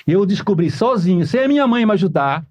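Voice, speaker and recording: A man's voice: high-pitched, expressive, a little fast, darkish tone, dry recording, lo-fi sound. A man from Portugal, a podcast guest, explaining Catholic parenting earnestly and repeating his points for emphasis. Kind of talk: podcast conversation.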